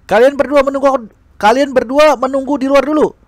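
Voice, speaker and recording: A man plays a proud, fiery young noblewoman from an audiobook tale. The voice is pitched high and recorded dry, with an indignant, stubborn edge. She exclaims insistently and defiantly. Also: fairly even intonation, a little fast, dry recording.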